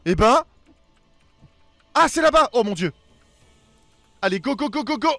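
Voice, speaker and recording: A young man giving excited let's play commentary, exclaiming and talking to himself as he reacts. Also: very high voice, a little slow, gravelly, no echo, faint music behind. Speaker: gaming video host.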